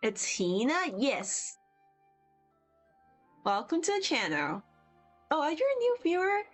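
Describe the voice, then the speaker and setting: A woman's voice: high-pitched, huge pitch swings, slow, faint music behind. Chatty young woman streaming art. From Hong Kong. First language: Cantonese. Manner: chatty and rambling, answers viewer chat as she works. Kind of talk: casual livestream chat while drawing. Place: at home on vacation. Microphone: poor-quality mic.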